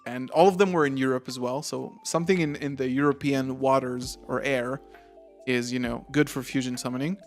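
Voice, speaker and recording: A man's voice: mid-range voice, a little fast. A man hosts a livestreamed interview with a loose, chatty delivery, filling his speech with "like" and "you know." Faint music runs in the background. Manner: relaxed, chatty, many fillers. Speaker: host, interviewer.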